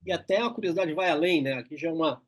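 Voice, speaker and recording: A man with a high, husky voice hosts an interview. He speaks reflectively and brings in a personal story as he talks with his guest. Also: rapid-fire, dry recording. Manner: reflective, tells personal anecdotes. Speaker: interview host. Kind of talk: casual interview chat.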